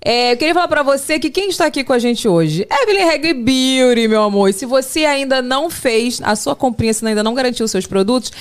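A woman's voice: high voice, expressive, fast, hardly any pauses, clean tone. A woman hosting a playful family podcast, laughing often and coaxing her toddler to speak. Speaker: podcast host. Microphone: studio podcast mic.

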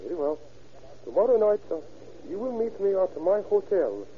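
A man in an old radio drama playing a shrewd, polite Asian drug dealer with a put-on East Asian accent and halting, formal broken English. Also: high voice, sing-song. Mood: guarded, businesslike. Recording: muffled, noisy vintage radio recording.

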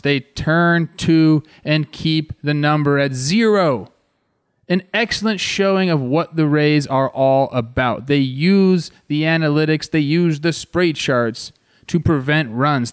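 A man's voice: a little high, clean tone, dry recording, studio quality. A man hosting a sports show, explaining plays in a conversational way and putting rhetorical questions to the viewers. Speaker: sports show host and baseball analyst. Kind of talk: explanatory sports breakdown commentary.

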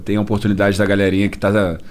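A man's voice: on the low side, completely flat delivery, fast talker. A man, a DJ guest on a podcast, chatting loosely and a little tipsy. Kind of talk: casual chat.

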